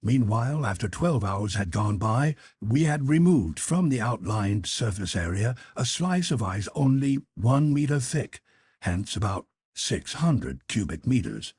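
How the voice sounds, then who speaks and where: A man's voice: fairly low pitch, very animated, measured pace, darkish tone, husky, no echo, clean studio sound. A man reading a classic novel aloud as a scripted audiobook narration.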